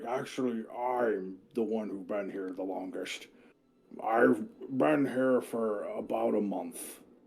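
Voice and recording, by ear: A put-on character voice, raspy and low-pitched, moves at a fairly slow pace.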